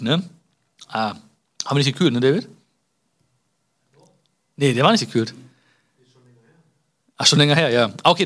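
A man's voice: medium pitch, fairly bright tone. A man from Germany talks through a casual self-help podcast, speaking directly to the listener. His voice sits in an ordinary middle range. He hesitates and restarts often, filling gaps with small sounds and tag questions. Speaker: podcast host.

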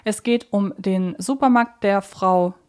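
Casting: female podcast co-host, mid-range pitch, chatty and explanatory delivery. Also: measured pace, darkish tone. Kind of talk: conversational podcast discussion.

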